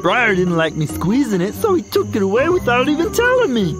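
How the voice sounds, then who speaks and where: A man's voice: fairly quick, heavily acted. An actor playing a childish, clumsy male cartoon bear who whines and pleads, with music underneath. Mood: curious. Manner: whiny, pleading, high and lively.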